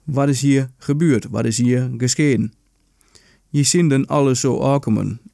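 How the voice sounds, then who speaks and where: A man's voice: mid-range voice, a little slow, gravelly, mellow, dry recording, studio quality. A man hosting a podcast. He reads an old text aloud and translates it line by line, rephrasing often with many fillers. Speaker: podcast host.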